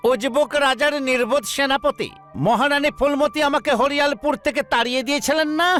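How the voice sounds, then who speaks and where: A man's voice: very high voice, fairly even intonation, a little fast. A man voicing a scheming, vengeful minister in a kids' cartoon, gloating and menacing. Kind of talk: dubbed cartoon acting. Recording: loud cartoon music behind.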